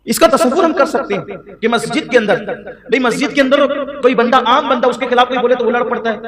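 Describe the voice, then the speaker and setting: Male preacher, high voice, impassioned, rhetorical, repeats phrases, distant mic, echoey mosque hall, congregation audible. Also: fairly bright tone. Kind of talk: sermon.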